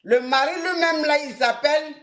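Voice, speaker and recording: A woman spins a dramatic tale for a live audience, circling back on her phrases and stretching out each moment. Her voice sits high and carries a storyteller's emphasis. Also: normal speed. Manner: animated, repetitive, dramatic retelling.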